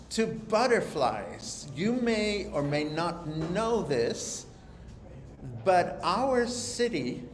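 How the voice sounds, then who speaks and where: Man, bright playful live show host, echoey room with noise. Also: on the high side. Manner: playful, chatty, drawn-out phrasing. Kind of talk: live interview chat.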